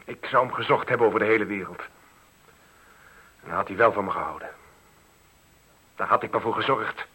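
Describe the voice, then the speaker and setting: A sharp, tense teenage son in a Dutch radio play, with some huskiness in the voice. He sounds hurt and confused, and speaks in an intense, accusing, confrontational way. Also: lowish voice, fairly quick, breathy edge, rough recording.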